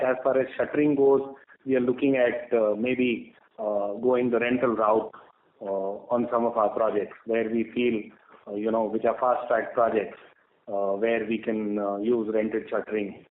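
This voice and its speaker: A man with an Indian accent answering questions as a company executive on an earnings call, speaking in a measured, halting way with frequent pauses. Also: medium pitch, little pitch movement, narrow, tinny audio. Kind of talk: earnings call Q&A, spontaneous explanation. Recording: echoey, band-limited conference call line.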